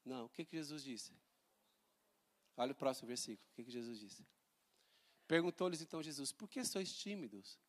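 A male pastor, preaching a sermon in a church in an animated, conversational way, with humor and rhetorical questions. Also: mid-range voice, a little fast, pauses often.

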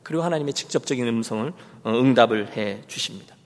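A man's voice: mid-range voice, fast. A man preaching a Sunday sermon as senior pastor, emphatic and speaking straight to the congregation. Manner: emphatic, keeps addressing the congregation directly. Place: church sanctuary. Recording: long reverb of a large hall.

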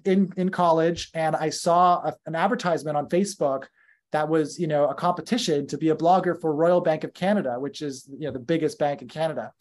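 A man in his thirties with a North American accent, speaking as a podcast guest. His voice sits slightly high for a man. He talks loosely and conversationally, with plenty of fillers and self-corrections. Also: fairly even intonation, a little fast, a little mellow. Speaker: podcast guest, company founder. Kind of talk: casual podcast interview.

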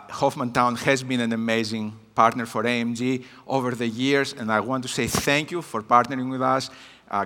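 Bright-voiced Greek man in a reverberant hall. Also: medium pitch. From Greece. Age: about 50. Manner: warm, personal, with hesitant fillers. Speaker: guest missions speaker. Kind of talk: church conference talk. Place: church hall.

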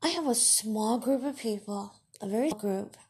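A woman podcast host and radio broadcaster with Farsi as her first language, talking in a deliberate, emphatic monologue that scolds her critics. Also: a little high, a little mellow, husky.

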